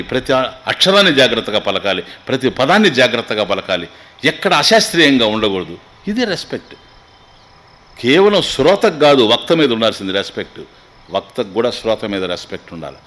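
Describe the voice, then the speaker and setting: A man's voice: mid-range voice, fairly bright tone. A man, a swami, giving a spiritual discourse to listeners, asking rhetorical questions and mixing in English phrases. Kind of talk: Vedanta discourse in Telugu.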